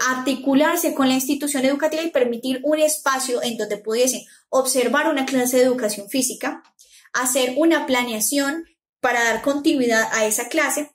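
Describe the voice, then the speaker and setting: A young woman with a Colombian accent giving a formal, measured academic presentation to a webcam. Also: high voice. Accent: Colombian Spanish. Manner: measured, formal, enumerating steps. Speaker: teacher presenting a conference paper. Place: indoor room, talking to camera.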